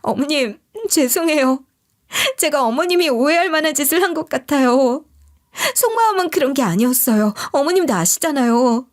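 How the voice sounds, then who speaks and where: A woman's voice: high-pitched, animated, normal speed, voice pushed up. A woman voicing a deceitful younger daughter-in-law in an audio story, protesting and pleading in a whiny manner. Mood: tearful begging.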